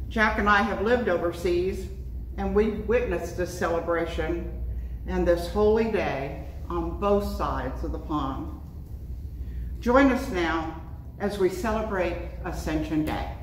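Against light background noise and audible room echo, a woman speaks at a fairly slow pace with long, frequent pauses. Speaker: priest. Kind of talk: sermon introduction and prayer. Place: hall. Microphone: camera far.

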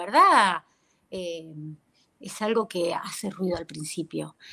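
Against a quiet background, a woman with an Argentine accent talks at a fairly slow pace, her tone bright and sharp and her intonation fairly even. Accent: Argentine Spanish (Rioplatense). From Argentina, Arrecifes (Buenos Aires province). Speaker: Argentine emigrant and mother sharing experience. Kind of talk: interview conversation. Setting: video call on live stream. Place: home room. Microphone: earbuds.

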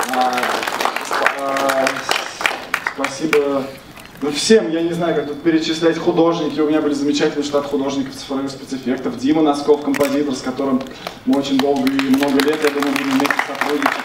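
A man talks at a fairly quick pace. Crowd noise can be heard behind him. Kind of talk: premiere speech. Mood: grateful, slightly nervous. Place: stage.

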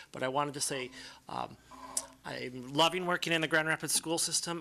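Speaking at a fairly quick pace, a man uses fairly even intonation and a bright, sharp tone with vocal fry. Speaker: elementary school principal. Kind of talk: public comment at board meeting. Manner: fast.

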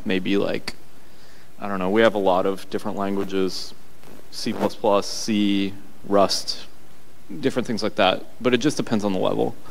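Amid light background noise, a man with a fairly low pitch speaks with long, frequent pauses. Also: moderate pace. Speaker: conference panelist. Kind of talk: panel answer. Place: hall. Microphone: handheld.

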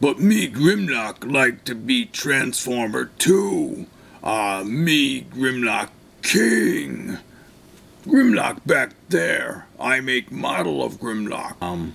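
A cartoonish character voice at a very slow pace. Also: man, medium pitch for a man. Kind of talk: cartoon voice impression. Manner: simple broken speech, blunt.

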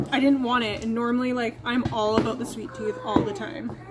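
A woman talks at a moderate pace. Loud background noise is present. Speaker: YouTuber, mother. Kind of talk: casual vlog chat. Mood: playful, chatty. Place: home room. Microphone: webcam.

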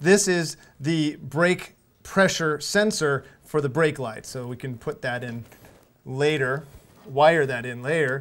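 Ordinary pitch variation shapes the speech of a man. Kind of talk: tutorial. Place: garage.

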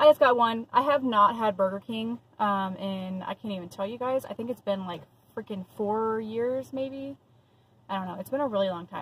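A woman's somewhat breathy voice at a fairly quick pace, with ordinary pitch variation and big swings in loudness, dry with no echo over light background noise. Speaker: food vlogger. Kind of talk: casual vlog chat. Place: car. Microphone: phone near.

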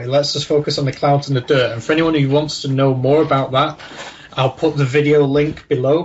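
A man speaks with a Manchester accent at a fairly high pitch. His intonation is fairly even, and his pace fairly quick. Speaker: entrepreneur and online tutorial creator. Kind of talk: casual chat. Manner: says um often.

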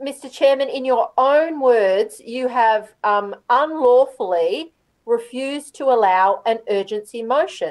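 A woman speaks very slowly with an Australian accent. Her high pitch moves with lively intonation. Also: quiet background. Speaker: city councillor. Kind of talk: council debate. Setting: council chamber. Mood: assertive, procedural objection. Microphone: video call.

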